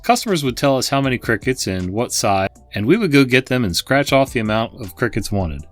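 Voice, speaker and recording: A man narrates stories in a lively voice that rises and falls freely. He breaks off now and then for casual remarks to his viewers, with soft music under him. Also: mid-range voice, a little fast. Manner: animated storytelling, chatty asides to viewers. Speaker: host and narrator. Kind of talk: reading online stories aloud with asides.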